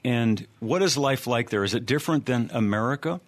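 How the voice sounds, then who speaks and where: A man's voice: medium pitch, animated, a little fast. A man hosting a Christian radio program, asking friendly, leading interview questions.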